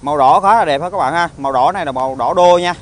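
On an outdoor car lot, partly from inside a car, a man with a southern Vietnamese accent gives an informal walkaround pitch for a used car. He halts often, filling gaps with hesitations and tag words. It's recorded outdoors on a phone, with traffic audible around him.

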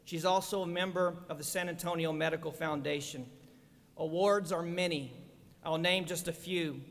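A man's voice: fairly high pitch, fairly even intonation, moderate pace, vocal fry. A middle-aged man reading a formal scripted introduction at a podium microphone during a ceremony. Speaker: ceremony presenter introducing the speaker. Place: large indoor arena stage. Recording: echoey large arena, long reverb.

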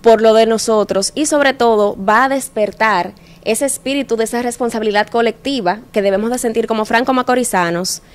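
Woman with Dominican accent, higher voice. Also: brisk, few pauses, clear, resonant tone. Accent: Dominican Caribbean Spanish. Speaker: studio guest presenting an anniversary campaign. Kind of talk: articulate interview talk. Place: indoor TV studio. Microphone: handheld microphone.

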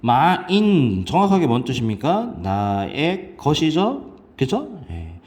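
A man teaching English grammar from a textbook, asking questions and answering them himself. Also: slow. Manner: lively, asks students questions and answers himself; sudden jumps in pitch on English words. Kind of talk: explaining a textbook passage.

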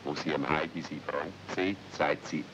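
A man's voice: a bass voice, steady tone, moderate pace, fairly bright tone. A man with a Swiss accent narrating a children's radio play as a storyteller. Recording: dull, faintly noisy old cassette recording.

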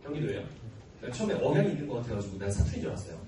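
A man in his early forties who teaches at a cram school fields students' questions in a large classroom, keeping things informal. His medium-pitched, sing-song voice races along as he jokes and often laughs, playful yet earnest. He holds a handheld mic while a tripod camera at the back films him, so the sound is roomy, distant and noisy.

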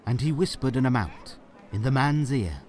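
A man's voice: mid-range voice, animated, normal speed, darkish tone, natural voice. A man narrating a Christmas audio drama as a wry, theatrical storyteller.

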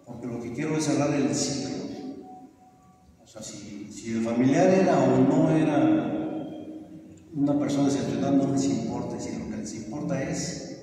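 Mexican guy, middle-aged, mellow voice, making his case deliberately over a pa in a really echoey hall. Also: medium pitch. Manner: emphatic, deliberate, poses and answers own questions. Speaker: speaker giving a talk at a political conference. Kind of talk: extemporaneous public lecture, argumentative. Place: large brick-walled meeting hall with PA speaker. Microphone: handheld PA microphone, recorded from a far camera. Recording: very echoey hall, distant camera, faint noise.

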